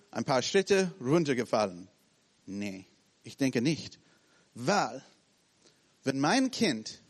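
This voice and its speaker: Animated preacher man in a reverberant hall. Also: mid-range voice. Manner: animated, acts out scenes in short broken phrases. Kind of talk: sermon.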